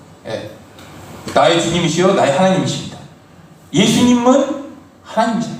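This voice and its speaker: A man speaks loudly at a fairly quick pace. Noticeable background noise and audible room echo surround him. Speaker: pastor. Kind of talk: sermon. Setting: church. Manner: gets louder with emphasis.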